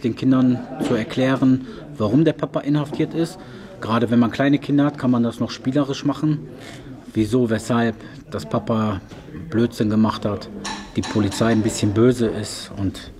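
30s guy explaining things, crowd noise behind. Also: medium pitch. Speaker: interviewee.

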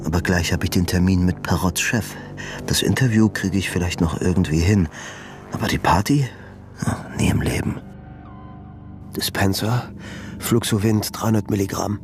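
An actor playing a world-weary, sardonic, depressive investigator, narrating a science-fiction audio drama in the first person with terse muttering. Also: male voice, sits low, moderate pace, long pauses. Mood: bleak, weary. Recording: loud music under the voice.

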